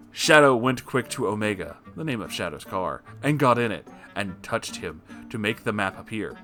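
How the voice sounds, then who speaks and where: A man narrates a comic fan story in a bright, forceful voice. His delivery is theatrical and emphatic, swinging widely in pitch, and music plays softly behind. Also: sing-song, a little slow. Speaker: host reading fan fiction aloud. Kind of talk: comedic dramatic story narration.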